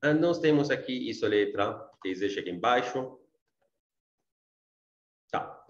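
A man's voice: medium pitch, animated, a little slow. Arabic-accented guy teaching online, keeps saying "ok?" to students, muffled echoey sound. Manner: repeats himself, checks in often with tá and gente. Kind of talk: online language lesson.

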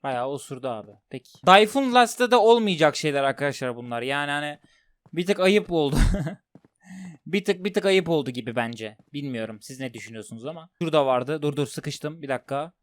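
A man commentating a horror game as he plays, talking to his viewers and jumping into loud yelps when scared. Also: a little high, animated, fairly quick, no echo. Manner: talks to viewers while playing, jumpy and loud when scared. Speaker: gaming streamer.

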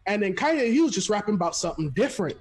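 A young man from Florida, a guest telling stories in an animated, rambling way over a headset from his living room. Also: high voice, rapid-fire. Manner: animated, laughs often, rambling storyteller. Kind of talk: casual video call chat.

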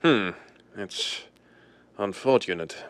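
A man playing a suave, self-assured gentleman crime-fighter in a 1930s-style radio drama, measured and ominous. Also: fairly low pitch, animated, no room sound. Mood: urbane, grave.

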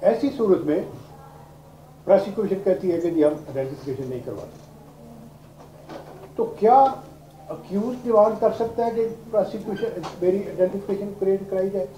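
An older man with a Pakistani accent giving a lecture in a deliberate, explanatory way, posing rhetorical questions and mixing in English terms. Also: sits high, dark tone, lo-fi sound. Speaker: law lecturer, retired judge. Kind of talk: lecture to law students. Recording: roomy, distant microphone, noisy background.

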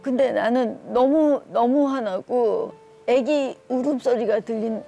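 A woman's voice: fairly high pitch, measured pace, gravelly, mellow, soft background music. A middle-aged woman, a guest on a talk show, gives an earnest, emotional testimony and retells what was said between her and her daughter.

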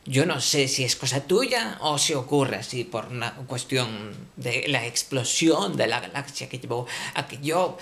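A man playing a grumpy ancient man fed up with living, talking in a halting, exasperated way. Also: mid-range voice, animated, vocal fry, fairly bright tone, pitched below the performer's own voice.

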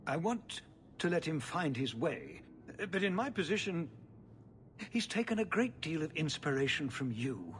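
An actor playing a dignified, worried older nobleman and father in a video game, speaking formally and gravely, with a pleading manner. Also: on the high side, big pitch swings, normal speed, fairly bright tone, a little hiss or hum.

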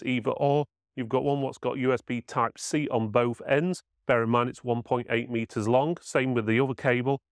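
A man's voice: mid-range voice, no echo, studio quality. A man giving a casual, matter-of-fact hands-on product demonstration as a reviewer.

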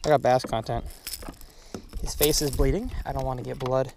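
A man's voice: medium pitch, fairly even intonation, moderate pace, gravelly, darkish tone, slight background noise. A young man filming a casual fishing vlog from a boat on a lake, upbeat and chatty. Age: young adult. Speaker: fishing vlogger. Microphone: chest-mounted camera.

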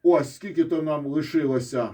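At normal speed and in a mellow, higher-than-average voice, a Ukrainian-accented man gives casual solo commentary on a war using a map. A military-political commentator, he is blunt and sarcastic, swears freely, and drifts into pointing asides.

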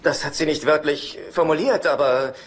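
An actor playing a nervous, easily tempted chiropractor in a dubbed sitcom, halting and exasperated. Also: male voice, a little high, natural voice. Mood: sheepish, hesitant. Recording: noisy sitcom soundtrack with studio audience laughter.

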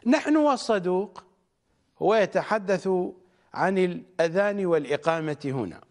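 A man giving a religious lecture, speaking deliberately and rising on emphasized words. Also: high-pitched, lively intonation. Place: studio.

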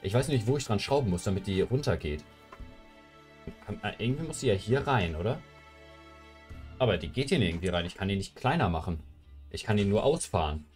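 A man's voice: lowish voice, lively intonation, a little fast, pauses often, a little mellow, faint music behind. A young man streaming from his room on a headset mic, chatting loosely with his viewers while he moves his camera and gear around. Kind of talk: casual live stream chat. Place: home room, indoors.

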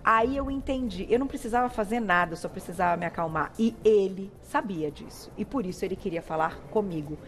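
A middle-aged woman with a Brazilian accent, hosting a TV talk show and telling personal stories in a warm, chatty way. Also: mid-range voice, fairly quick, few pauses, soft background music. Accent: Brazilian Portuguese. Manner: warm, chatty, emotional storytelling. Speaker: TV show host.

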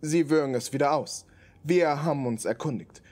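A man's voice: on the high side, moderate pace, a little mellow, lightly acted. An actor playing a firm, know-it-all male police inspector in a radio play, authoritative and precise. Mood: matter-of-fact.

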